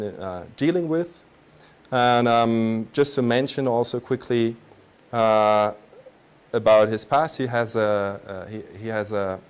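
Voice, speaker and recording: Smooth-voiced studio moderator. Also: male voice, mid-range voice. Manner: fluent but filler-heavy. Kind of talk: introducing a speaker. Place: television studio.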